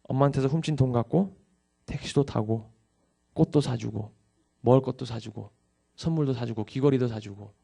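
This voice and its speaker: A man's voice: mid-range voice, moderate pace, vocal fry, long pauses, warm tone, breathy edge. A young male pastor giving a dawn service sermon, confessing his own past candidly before turning to earnest exhortation.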